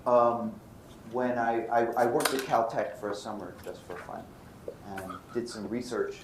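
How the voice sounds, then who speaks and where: A man's voice: medium pitch, measured pace. An American man from Brooklyn giving a physics lecture, posing questions and answering them himself. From Brooklyn, United States. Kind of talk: lecture with anecdotes. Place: lecture room. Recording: roomy echo, faint background noise.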